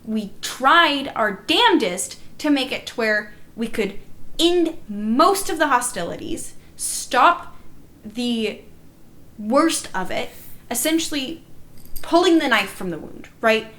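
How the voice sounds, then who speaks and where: A woman's voice: fairly high pitch, expressive, slow pace, bright, forceful tone. A woman recounting events in a group discussion, speaking in an emphatic, indignant, storytelling way. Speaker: player recounting a live-action roleplay game. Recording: noticeable background noise.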